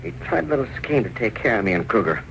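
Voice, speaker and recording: An actor playing a ruthless racketeer boss in a 1930s radio drama, with a gruff, clipped gangster manner. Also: male voice, mid-range voice, big pitch swings, quick pace, a bit bright, rough recording. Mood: commanding. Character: ruthless male racketeer boss giving orders. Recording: hissy 1930s radio recording.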